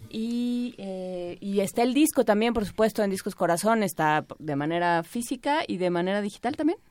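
A woman co-hosting a morning radio show in lively casual chat. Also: mid-range voice, moderate pace, no echo. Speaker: radio co-host.

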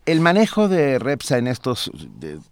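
A man's voice: medium pitch, huge pitch swings, moderate pace, smooth. A man, co-hosting an interview, asking questions and clarifying points for the listeners. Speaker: co-host interviewer. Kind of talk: casual interview talk.

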